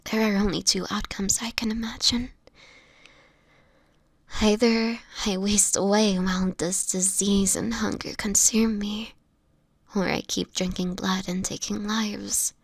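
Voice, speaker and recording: A woman acts out an ailing, homeless female vampire in a dramatic audio roleplay. She speaks slowly and haltingly in a breathy voice that often sinks into a whisper. She sounds fragile, guilt-ridden and protective, pleading through her anguish, in a dry recording with no room sound. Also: medium pitch, flat delivery, no room sound. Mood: despairing, ashamed.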